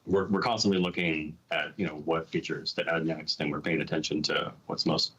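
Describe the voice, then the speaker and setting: A man's voice: a bass voice, fairly even intonation, fairly quick, fairly bright tone, slightly rough. A man speaking as a company executive, explaining things off the cuff on an investor call.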